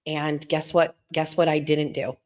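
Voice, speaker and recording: A middle-aged woman hosting a live stream from home, chatting in a hushed, rambling way so she won't wake anyone. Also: level tone, unhurried. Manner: talking low and hushed to keep from waking someone; chatty and rambling, full of asides and restarts.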